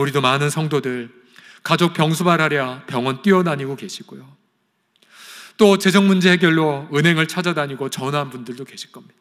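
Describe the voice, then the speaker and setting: A male pastor preaching an impassioned sermon, swinging from loud pleading to soft near-whispers. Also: on the high side. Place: church sanctuary. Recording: church hall reverb.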